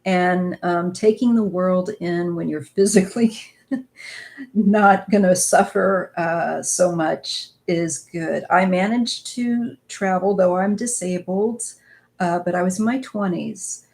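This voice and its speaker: A woman's voice: on the low side, slow, creaky, a little mellow. A woman in her fifties from northwest Missouri, hosting a rambling, casual live-stream chat with viewers. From northwest Missouri, USA. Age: 50s. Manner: rambling, chatty, talks to viewers as "you guys". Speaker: tarot channel host reading live chat.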